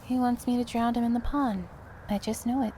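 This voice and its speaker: Woman acting a high-pitched, sarcastic young woman. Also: steady tone, a little fast, mellow, natural voice. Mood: exasperated, sarcastic. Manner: sarcastic, blunt. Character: sharp-tongued, sarcastic young woman, fiercely defensive of her friends. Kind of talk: audio drama acting. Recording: faint outdoor ambience noise.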